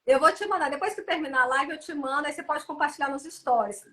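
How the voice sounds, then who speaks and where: Brazilian woman, 30s, high-pitched, rapid, animated storyteller. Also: crowd noise. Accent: Brazilian Portuguese. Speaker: children's book author. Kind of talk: casual interview over a live stream.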